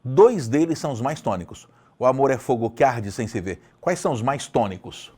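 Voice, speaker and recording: Animated male teacher. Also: medium pitch, fairly quick, husky. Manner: expressive, emphatic, repeats lines for effect. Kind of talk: video lecture.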